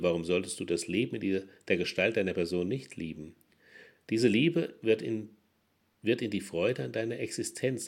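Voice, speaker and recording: Male pastor, low husky voice, earnest sermon with swelling emphasis. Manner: earnest preaching with strong swells in loudness and pitch.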